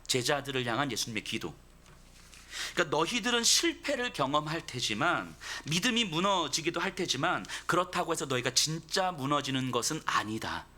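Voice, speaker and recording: A man's voice: on the high side, big pitch swings, brisk, sharp tone. A male pastor delivering a sermon expressively, acting out the dialogue of the figures in his story.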